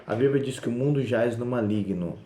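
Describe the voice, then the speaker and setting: A man's voice: mid-range voice, fairly quick, dark tone. Male preacher, insistent sermon delivery, roomy echoey recording with faint hiss. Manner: emphatic, insistent preaching with repeated phrases. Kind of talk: sermon video. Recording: roomy echo, faint background noise.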